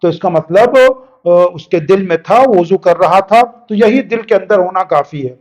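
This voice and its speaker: A man's voice: sits high, darkish tone. A male cleric giving a religious lesson, explaining step by step, mixing English words in and repeating points for emphasis. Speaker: Islamic cleric teaching religious rulings.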